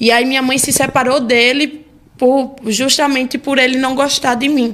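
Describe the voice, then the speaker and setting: Against noticeable background noise, a woman speaks in a high pitch at a moderate pace with monotone, flat intonation. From Pernambuco, Brazil (Limoeiro, near Recife). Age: 20s. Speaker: podcast guest. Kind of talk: interview about her life.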